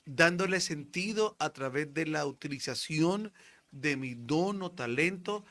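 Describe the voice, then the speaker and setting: A man hosting a spiritual talk show, telling stories with animated acted-out voices. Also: a little high, measured pace. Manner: animated storytelling, acts out quoted voices. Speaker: host.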